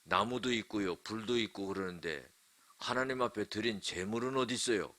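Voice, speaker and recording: A pastor putting on puzzled young Isaac. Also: male voice, fairly low pitch, moderate pace, sharp tone, dry recording. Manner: puzzled, earnest questioning. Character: young man Isaac questioning his father.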